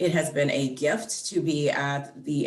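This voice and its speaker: A woman with a Milwaukee accent speaks with a very deep, low pitch. Audible room echo and noticeable background noise surround her. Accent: Milwaukee Midwest. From US Midwest, Milwaukee. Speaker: HR consultant. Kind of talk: interview conversation.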